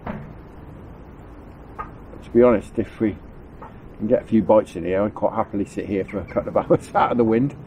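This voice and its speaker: A stuffy-nosed man with a lowish voice talks his way through a fishing session by a river. He rambles along in an easygoing, chatty way, his nasal tone betraying a lingering cold. A faint hiss of wind sits behind him outdoors. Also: fairly even intonation, a little fast, pauses often, warm tone, rough recording. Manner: chatty, rambling, chuckles often. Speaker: angling vlogger. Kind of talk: casual on-the-spot commentary. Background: faint wind noise.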